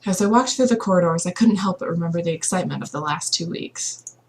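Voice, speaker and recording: A woman voicing a young heroine who narrates her romance story in a measured read-aloud of a visual novel. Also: fairly low pitch, natural voice. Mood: wistful.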